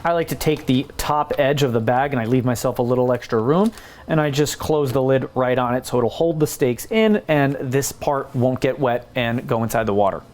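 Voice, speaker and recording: A man's voice: medium pitch, normal speed, a little mellow. A man hosting a home cooking tutorial, chatting casually and explaining each step as he works in his kitchen. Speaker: home cooking channel host.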